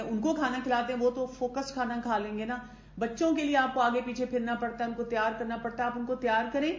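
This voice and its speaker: A woman gives a conversational lecture to teachers, mixing English words into her speech and acting out the lines of parents and teachers. The recording sounds echoey and dull, like a lo-fi capture in a reverberant room. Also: on the high side. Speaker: teacher trainer.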